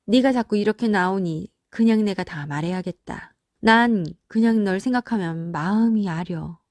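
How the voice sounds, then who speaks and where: A woman's voice: mid-range voice, darkish tone, dry recording, studio quality, natural voice. A woman voicing a hurt but firm older mother in a story, speaking with reproach and resolve. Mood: aching, resolute.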